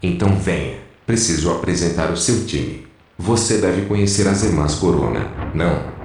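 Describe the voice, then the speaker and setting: A careful resistance recruiter played by a man in an audio drama. His low voice is measured and a little unsure, ringing in a very echoey space. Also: darkish tone, a little hiss or hum. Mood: cautious. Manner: cautious, measured. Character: cautious male resistance recruiter, hesitant but sensible. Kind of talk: scripted audio drama acting. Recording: very echoey room.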